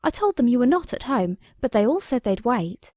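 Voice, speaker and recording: A woman voicing a polite, nervous young parlour maid, deferential and hurried, in a storybook reading. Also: a little high, big pitch swings, no room sound, pitched above the performer's own voice. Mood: flustered. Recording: dry, slightly dull recording.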